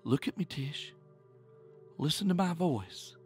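Man as a steady, protective woman. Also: on the high side, creaky, soft background music, heavily acted. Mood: calm, soothing. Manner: calm, measured, crooning reassurance. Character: protective, steady Southern woman, tender soothing witch.

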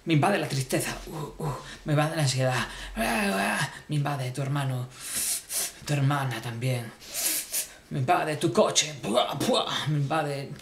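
Male comic, frantic and repetitive, high-ish voice, roomy echo. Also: animated, a little slow, vocal fry. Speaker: comedian. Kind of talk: absurd comic monologue.

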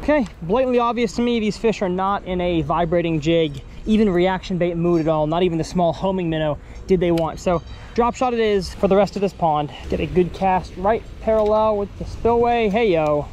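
Fishing by an outdoor pond, this Texan vlogger talks in an upbeat, chatty way, musing aloud as he goes. He has a high, slightly mellow voice and speaks a little fast, with faint ambient noise in the outdoor recording.

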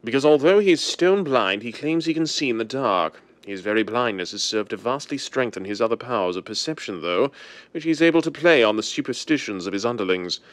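A man playing a suave, self-assured gentleman crime-fighter in a 1930s-style radio drama, measured and ominous. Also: medium pitch, animated, dry recording, natural voice.

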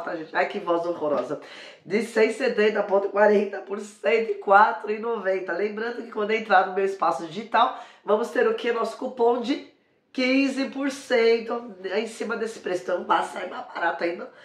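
A hoarse woman in her forties from Brazil with a São Paulo accent, chatting through a product review and joking about her cold-worn voice. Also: mid-range voice, roomy sound. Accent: São Paulo Brazilian Portuguese. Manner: chatty, keeps saying "gente", jokes about her own voice. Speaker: beauty vlogger and sales consultant. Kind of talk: casual product review to camera. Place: indoor room with a brick wall.

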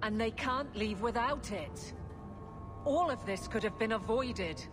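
A woman's voice: a little high, measured pace, background noise, natural voice. A woman voicing a stern, dutiful and wary warrior woman in a video game. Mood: weary. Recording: game music underneath.

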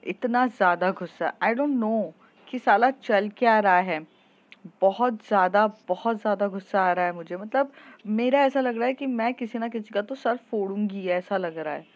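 A woman's voice: medium pitch, normal speed, natural voice. A woman voicing a spoiled, haughty rich young woman who rants brashly and dismissively. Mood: furious. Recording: dull lo-fi recording.

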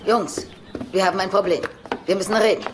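An actress in a German sitcom dub playing a sharp-tongued older mother who complains dramatically and indignantly. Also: mid-range voice, brisk, crowd noise, natural voice. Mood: weary, serious. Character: exasperated, sharp-tongued mother of grown sons. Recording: noisy TV soundtrack with ambience.

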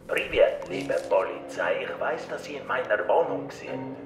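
A man's voice: very animated, roomy sound, over music. An actor playing a menacing, taunting museum watchman with a Russian accent and a mocking, playful manner in an audio drama. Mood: mocking politeness. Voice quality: gravelly, low. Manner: slow, mocking, teasing.

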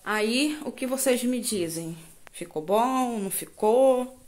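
In a slow, darkish, fairly high voice with lively intonation, a Brazilian Portuguese-accented woman narrates her home vlog. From the kitchen and yard she chats familiarly, frequently seeking viewers' agreement, in a noisy handheld phone recording.

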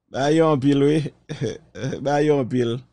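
A man gives measured, reflective commentary, mixing French and Creole. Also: medium pitch, creaky, dark tone, slight background noise.

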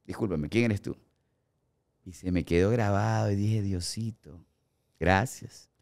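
A man in his forties with an Ecuadorian accent, a guest actor telling animated stories in a podcast studio on a boom mic. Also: measured pace, gravelly. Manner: animated storyteller acting out quoted remarks. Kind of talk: casual podcast storytelling. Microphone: studio mic on boom arm, headphones.

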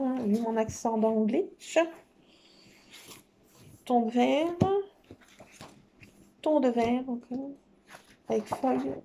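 In a slightly high, warm voice, a woman chats casually about her scrapbooking paper, full of enthusiasm and fillers, saying "trop beau" again and again. There is slight background noise.

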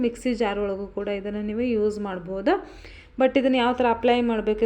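A woman with a North Karnataka Kannada accent presents a home remedy in an informal how-to style. She talks quickly in a soft, mellow tone at a middling pitch. Her delivery is chatty and repetitive, with English words dropped in throughout. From Karnataka, India. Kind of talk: informal how-to voice-over addressed to viewers.

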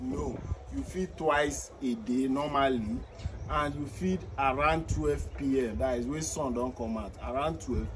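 Male fish farmer, thirties, Nigerian Pidgin accent, patient instructive delivery that repeats steps, outdoor phone-video sound with a noisy open-air background. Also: medium pitch. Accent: Nigerian Pidgin English. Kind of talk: outdoor farming tutorial. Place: outdoors beside fish tanks on a farm. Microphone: phone camera at a short distance. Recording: outdoor phone video with noticeable ambient noise.

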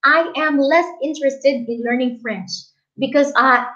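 A young English teacher from the Philippines hosts a casual live stream from a small room, chatting with viewers and reading their comments aloud. Her high female voice is unhurried, pushed, and bright, though the audio sounds dull.

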